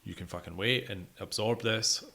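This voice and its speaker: Pushed and bright with vocal fry, his lowish voice keeps a moderate pace. He co-hosts a music podcast, airing casual, opinionated views with heavy swearing and emphatic repetition.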